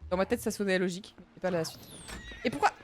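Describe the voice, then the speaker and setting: A woman's voice: medium pitch, fast talker. A woman in her twenties chatting casually with her viewers while playing a game, rambling and talking to chat. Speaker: streamer. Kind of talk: casual gaming commentary. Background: faint game music.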